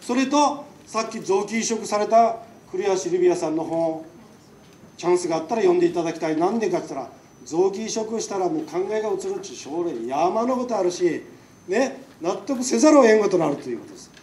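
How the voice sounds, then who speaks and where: A man with a Nagasaki accent lectures in a high voice, talking in a chatty way and throwing questions at his listeners. He is picked up from a distance in an echoing hall. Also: expressive, fast talker, mellow, a little hiss or hum. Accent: Nagasaki dialect. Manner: chatty, rhetorical questions to the audience. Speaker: lecturing doctor. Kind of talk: public lecture. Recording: echoey hall, mic far off.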